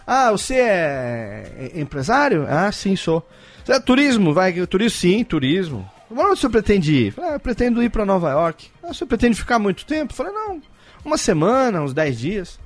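A Brazilian podcast host with a high-pitched voice tells friends a story at a normal speed in casual chat. He's animated, acting out both sides of the conversation himself.

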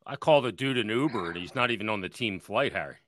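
A man's voice: lowish voice, lively intonation, fast talker, fairly bright tone, no room sound, clean studio sound. A man in his fifties co-hosting a sports podcast, sarcastic and joking in casual chat. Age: 50s. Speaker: co-host.

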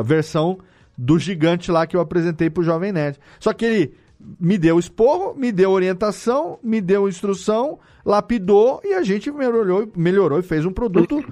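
A male Brazilian podcast host with a slightly high, somewhat mellow voice conducts a conversational interview. His delivery is emphatic and colloquial.

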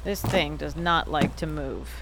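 A woman playing a feisty, stubborn older mother, brisk, teasing and deadpan, in a naturalistic audio drama. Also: deep voice, vocal fry, background noise. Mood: busy.

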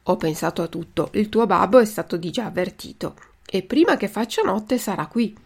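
Woman reading a gentle fairy, calm reassurance, slight vocal fry, storybook. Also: medium pitch, normal speed. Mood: tender.

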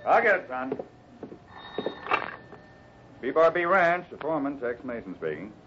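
A man playing a steady, fatherly ranch foreman in a 1950s radio western. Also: mid-range voice, a little slow, over music. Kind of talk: 1950s radio drama acting. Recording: muffled, noisy old radio recording.

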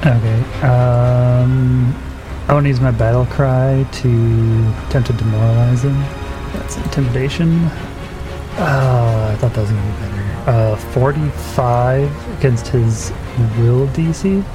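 Guy playing a tabletop rpg, chatting casually, mid pitch, music clearly behind him. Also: a little slow, poor audio. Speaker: tabletop game player. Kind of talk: casual chat during play.

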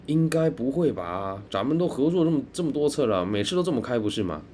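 A man's voice: medium pitch, sing-song, fast, dark tone, a little hiss or hum, voice pushed up, close to an everyday voice. A man with a Taiwanese accent voicing a chatty, offhand male taxi driver. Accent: Taiwanese Mandarin.

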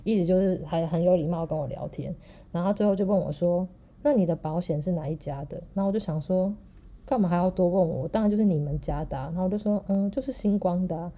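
A woman with a Taiwanese Mandarin accent, co-hosting a podcast and telling a story in a casual, animated way. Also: on the low side, fast talker. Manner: animated, laughs through her story. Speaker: podcast co-host.

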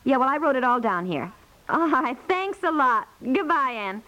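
High-voiced, lively 1950s housewife. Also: female voice, normal speed, dull audio, a little hiss or hum, full character voice. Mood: practical. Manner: conversational, placating. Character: patient, gently practical 1950s housewife and mother. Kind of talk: 1950s radio comedy acting, naturalistic.

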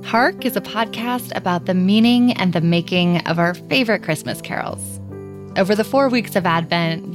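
A woman hosting a podcast, delivering polished, measured scripted narration. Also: medium pitch. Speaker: podcast host.

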